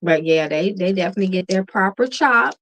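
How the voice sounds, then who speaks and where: A relaxed woman hosts a late-night livestream, chatting easily with her viewers and calling them y'all. Her voice is bright and calming, and she laughs often between remarks. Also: mid-range voice, brisk. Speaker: tarot reader and livestream host. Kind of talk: casual livestream chat with viewers.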